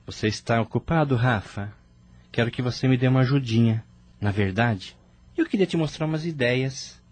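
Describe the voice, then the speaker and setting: An actor playing an affectionate, gently effusive gay male friend in a radio soap opera. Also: medium pitch, normal speed, lightly acted. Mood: caring, flirty.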